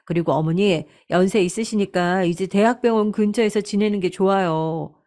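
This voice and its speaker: Pushy, sweet-talking daughter-in-law read by a woman narrator, a bit higher than the narration, mellow tone. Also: normal speed, lightly acted. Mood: coaxing. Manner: persuasive, pushy, sweetly insistent.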